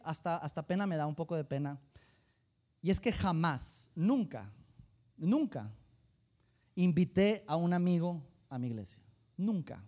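A man with a Mexican accent, a pastor preaching a sermon who tells humorous stories and speaks straight to the congregation. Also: a little high. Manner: animated, humorous storytelling, direct address to the congregation.

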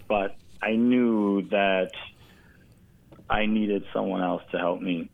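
Low-pitched American man on a phone-like line. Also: creaky. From United States. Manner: rambling, earnest, often says "you know". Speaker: poet, interview guest. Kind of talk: casual conversation. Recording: tinny narrow phone-like line.

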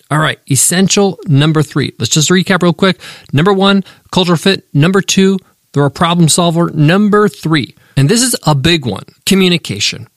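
A man hosting a business podcast, giving emphatic, animated advice and listing his points one by one. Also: on the high side, no room sound, clean studio sound. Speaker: podcast host.

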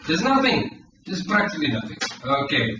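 A man's voice: a little high, sing-song, moderate pace, far from the mic, noisy background. A man playing a boastful former KGB agent with a put-on Russian accent and broken English, hawking gadgets like a proud salesman. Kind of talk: comedy sketch in character. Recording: very echoey room, off-mic, music behind.

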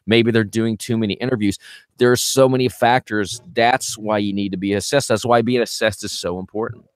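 A vocal coach, male, talks fairly quickly in a clear, resonant voice during a casual podcast conversation. He is animated and performs his students' complaints in a higher voice. There is no echo on the recording.

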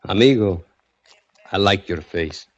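Deep-voiced Mexican knife killer, matter-of-fact and menacing, lo-fi radio sound. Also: male voice, unhurried. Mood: calm menace. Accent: Mexican Spanish. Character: grinning Mexican hired knife killer, calm. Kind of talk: 1940s radio drama acting. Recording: dull lo-fi old radio recording.

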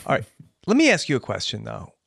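A man's voice: fairly low pitch, huge pitch swings, fast talker, gravelly, a bit bright, slightly rough. A man hosting a podcast, chatting easily and asking his guest questions. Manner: easygoing, asks questions. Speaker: podcast host. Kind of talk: casual podcast chat.

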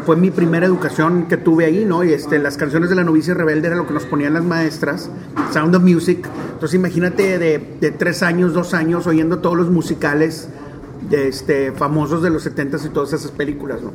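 A man in his forties from Monterrey with a northern Mexican accent, telling stories in an interview in a chatty, animated way with many fillers. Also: a little high, a little fast, background noise. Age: 40s. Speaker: stadium DJ and announcer. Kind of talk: relaxed storytelling interview.

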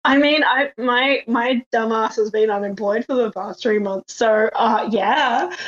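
A woman's voice: fairly high pitch, lively intonation, slow pace. A woman talking in a wry, self-mocking way as a guest in a casual live chat. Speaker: guest panelist. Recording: dull lo-fi audio.

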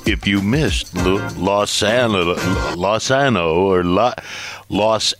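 Lowish guy doing slow jokey promo reads, loud music behind. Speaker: network announcer. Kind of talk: promo announcing.

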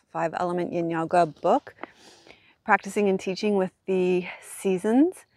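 Woman yoga teacher, kinda low voice, gentle n soothing guided class, pretty dry sound no echo. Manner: soothing, gentle, measured delivery with pauses. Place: outdoors in a regional park.

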